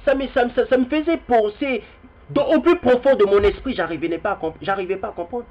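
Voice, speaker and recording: A man's voice: very high-pitched, fairly quick. A young man speaking straight to his viewers in a rambling video commentary, repeating himself as he goes. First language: Kikongo heritage language. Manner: rambling, repeats words, addresses viewers directly. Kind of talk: spoken video commentary with readings. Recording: dull lo-fi recording.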